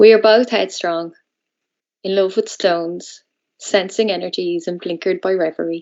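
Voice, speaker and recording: With an Irish accent, a woman speaks at a moderate pace and medium pitch with fairly even intonation. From Ireland. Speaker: artist. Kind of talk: reading aloud. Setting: online symposium.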